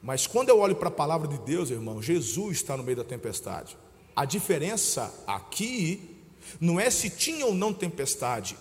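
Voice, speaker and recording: A Brazilian man preaching in a high voice, heard in a church hall with a long reverb. He tells stories and calls his listeners brother, dropping to a hush and then rising to shouts. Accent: Brazilian Portuguese. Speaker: pastor. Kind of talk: sermon.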